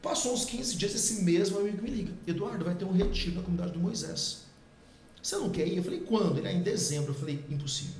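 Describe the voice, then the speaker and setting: A middle-aged man, a podcast guest, telling a personal testimony in a lively way and acting out the dialogue. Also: high voice, fast, slight background noise. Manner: lively, acts out quoted dialogue. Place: podcast studio. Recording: echoey room.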